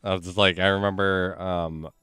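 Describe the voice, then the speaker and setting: A man with a deep voice chatting casually while streaming a game, rambling with many fillers. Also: flat delivery, normal speed, bright, forceful tone, smooth, no room sound. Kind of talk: casual gaming chat.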